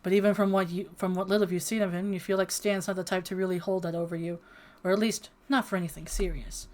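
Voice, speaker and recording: A woman livestreamer reading a dating sim aloud and chatting in an expressive, flustered, playfully dramatic way. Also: lowish voice, fast talker. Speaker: streamer playing a dating sim. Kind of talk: livestream chat and game read-aloud.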